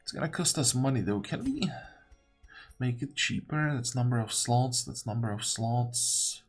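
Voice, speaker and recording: Slightly husky man musing through a game. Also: medium pitch, animated, unhurried. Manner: musing, deliberating step by step. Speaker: gamer narrating own playthrough. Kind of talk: casual gameplay commentary, thinking aloud. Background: game music.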